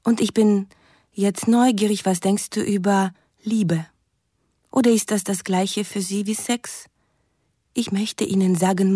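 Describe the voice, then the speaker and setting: A Russian sweetheart in a radio play, reading love letters intimately. Her voice is mellow and breathy, slightly husky, and very close and dry. She sounds tender and pleading. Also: medium pitch, dry recording. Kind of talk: radio drama monologue.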